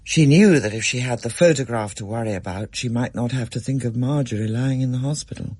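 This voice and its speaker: A storyteller reading a scripted story aloud, expressive and varied, with a husky voice. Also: medium pitch, fairly quick, dry recording.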